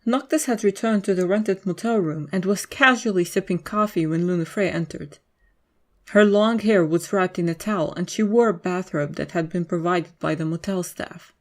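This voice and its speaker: A woman's voice: lowish voice, normal speed. A woman reading scripted story narration as the narrator of an audio drama.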